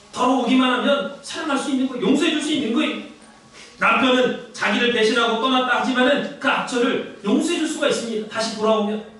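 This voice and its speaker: A man's voice: very high voice, fairly bright tone. A man with a Korean accent preaching a sermon as the pastor, telling the story emphatically and dramatically. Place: large church sanctuary. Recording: very echoey church hall, distant mic.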